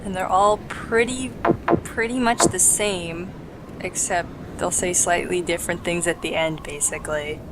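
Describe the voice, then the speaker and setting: A woman's voice: lowish voice, fairly even intonation, unhurried, noisy background. A woman hosting a let's play with casual, jokey, sweary game commentary.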